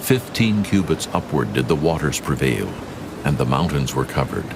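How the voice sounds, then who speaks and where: An extremely deep male voice with a gravelly creak narrates scripture. He is solemn and measured, with lively rises and falls, over clearly audible music. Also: noisy background.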